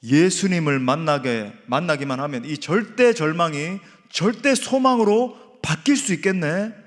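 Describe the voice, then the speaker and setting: Desperate blind beggar, put on by a male preacher, high pleading cries, echoing church. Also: animated, a little slow. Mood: hoping. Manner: pleading, crying out. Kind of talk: sermon role-play. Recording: reverberant church hall.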